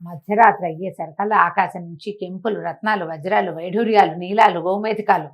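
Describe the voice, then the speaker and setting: A woman's voice: fairly low pitch, fairly even intonation, brisk, muffled recording. A woman telling a children's story aloud in a conversational way, explaining with asides and rhetorical questions. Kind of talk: oral moral storytelling for children, acting out dialogue.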